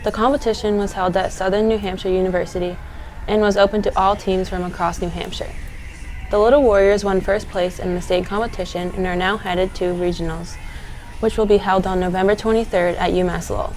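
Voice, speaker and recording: A woman's voice: mid-range voice, steady tone, fairly quick, a little mellow, poor audio. A teenage girl co-anchoring a school news show, reading the announcements aloud. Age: teens.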